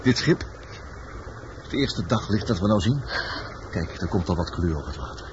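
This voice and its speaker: An actor in a Dutch radio play playing a world-weary, blunt lover and sailor, terse and fatalistic. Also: male voice, sits low, lively intonation, normal speed. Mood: tender, lively. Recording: dull, noisy old radio drama recording.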